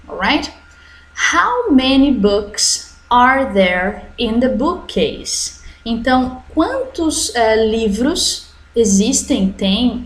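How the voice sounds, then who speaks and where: A woman teacher with a Brazilian accent giving an online English lesson to children, switching between explanation and slowly drawn-out model sentences. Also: on the high side, slight background noise. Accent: Brazilian Portuguese. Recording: echoey room.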